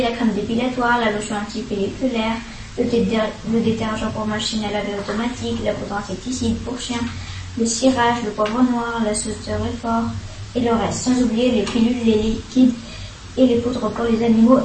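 High-voiced woman reading a storybook. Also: flat delivery, normal speed, darkish tone, roomy sound, far from the mic, slight background noise, poor audio. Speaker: reader.

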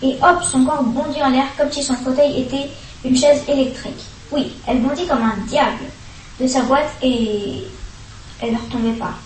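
Woman, storybook reader, high voice, echoey room, far from the mic. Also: steady tone, normal speed, a little hiss or hum. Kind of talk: reading a storybook aloud.

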